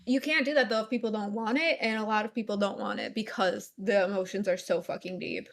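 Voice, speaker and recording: A woman co-hosting a livestream, teasing and sharp-tongued, swearing freely in casual chat. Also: medium pitch, steady tone, a little fast, vocal fry. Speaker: livestream co-host.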